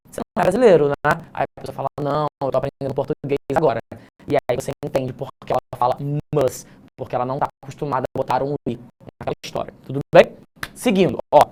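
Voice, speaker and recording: A man's voice: fairly high pitch, a little mellow. Male teacher, casual classroom lesson, breaks grammar rules down with slangy asides. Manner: chatty, explanatory, addresses students informally. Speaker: teacher correcting an exam essay.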